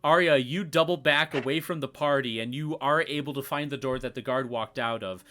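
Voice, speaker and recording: A man acts as game master for a tabletop game, narrating in a laid-back way with lots of "um"s and quick chuckles. His voice is medium-pitched, pushed and bright.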